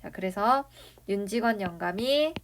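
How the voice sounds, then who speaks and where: A woman's voice: mid-range voice, lively intonation, unhurried. A woman teaching a literature lesson, explaining a novel and asking rhetorical questions. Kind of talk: classroom lecture on a novel.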